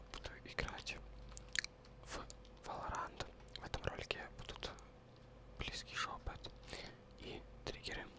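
Very slow speech with long, frequent pauses over loud background noise. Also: man. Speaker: ASMR gaming creator. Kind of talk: gaming commentary. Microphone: studio mic.

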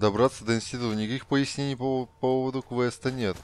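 Moderately paced male speech over background music. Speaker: gaming video creator. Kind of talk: let's play commentary. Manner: casual, profane.

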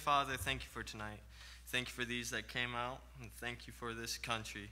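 Light background noise sits behind the recording. A man talks at a fairly quick pace. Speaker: song leader. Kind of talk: prayer. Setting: church. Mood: reverent, thankful. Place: church. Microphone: podium.

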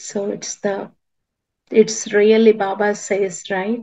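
A woman talks at a very slow pace in an Indian accent. Her tone is dark and mellow against a quiet background. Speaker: spiritual speaker and doctor; speaker. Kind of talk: spiritual talk sharing personal experiences. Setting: video call. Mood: warm, devotional. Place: home room. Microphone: video call.

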